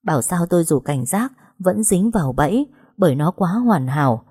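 A woman telling a first-person story in a measured, dramatic reading. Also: lowish voice, animated, dark tone, husky.

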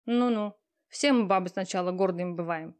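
A woman voicing a pushy, talkative young female friend who teases and lectures loudly. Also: lowish voice, normal speed, clean tone, natural voice. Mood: bossy. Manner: loud, teasing, talkative.

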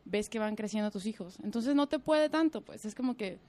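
A woman in her thirties with a Mexican Spanish accent, a guest on a radio talk show, lively and enthusiastic. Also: mid-range voice, a little fast. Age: 30s.

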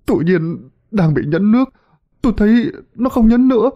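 A frightened fisherman, played by a male narrator, pitched high and very animated. He whimpers and complains in panic, in a horror story. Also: normal speed, highs cut off. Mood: whining, fearful. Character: terrified, whining fisherman fleeing a ghost.

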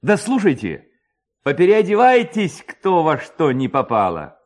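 A man's voice: on the high side, huge pitch swings, a little slow, voice pushed up. A man voicing a mischievous, spirited young village lad who rallies his friends in a dramatised story reading. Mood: rousing, defiant. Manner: spirited, exclaiming, rallying. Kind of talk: dramatised reading of a classic tale.

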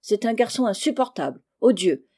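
A woman voicing a miserly, spiteful older woman who talks in a shrill, hasty and grasping way. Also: expressive, moderate pace, mellow. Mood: scheming.

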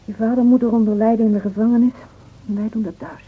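A woman's voice: fairly high pitch, fairly even intonation, fast, husky. An actress playing a bitter, weary middle-aged village mother in a radio play, curt and fatalistic in manner. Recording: dull, muffled old radio play recording.

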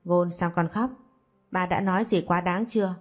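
A woman's voice: on the low side, fairly even intonation, normal speed, natural voice. Woman playing a stern, lecturing young father.

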